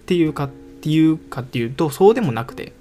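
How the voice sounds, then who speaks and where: A young man from Osaka with a Kansai accent, co-hosting a casual couple podcast in a relaxed, rambling way with lots of fillers. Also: fairly high pitch, fast, soft background music. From Osaka, Japan. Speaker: podcast co-host.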